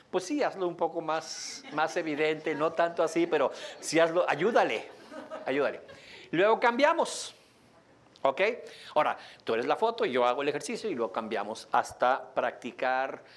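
A man with a Mexican Spanish accent leading a live workshop demonstration for an audience, explaining in a lively, joking way and laughing often. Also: fairly high pitch, moderate pace. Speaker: workshop instructor. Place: training room with an audience.

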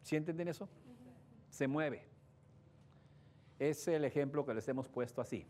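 A man with a Mexican accent gives a lively talk to an audience, telling stories, acting out the voices of the people in them and asking the audience questions. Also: a little high, a little slow, slight background noise. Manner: animated, acts out voices in his stories, asks the audience questions. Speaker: speaker giving a relationship talk.

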